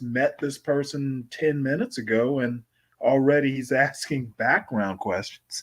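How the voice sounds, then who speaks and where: A man talks at a very slow pace, with a slight Southern US accent. The recording is very clean, with a silent background. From US South. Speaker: podcast co-host. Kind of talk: casual discussion.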